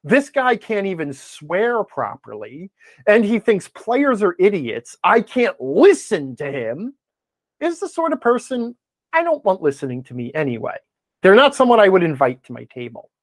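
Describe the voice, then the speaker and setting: A man's voice: sits high, huge pitch swings, moderate pace, no room sound. Man telling stories, close dry sound. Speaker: guest, tabletop gaming blogger. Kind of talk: casual interview talk with anecdotes.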